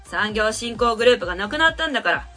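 A haughty adviser in a radio play talks down to staff in a high, bright voice that swings widely, acted by a woman. The manner is lofty and commanding, and soft music plays underneath. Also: animated, racing. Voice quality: pompous and commanding. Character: haughty, domineering adviser of uncertain age. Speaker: adviser character. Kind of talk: amateur web radio drama acting.

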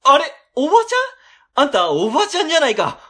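A man playing a flustered, excitable ward office worker in a radio drama. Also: very high voice, quick pace, full character voice. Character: flustered, excitable male civil servant. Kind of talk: amateur web radio drama acting.

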